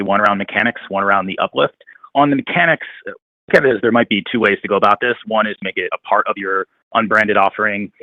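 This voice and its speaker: A man's voice: lowish voice, dry recording. A man working as a financial analyst, putting a question on an earnings call. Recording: slightly dull phone line.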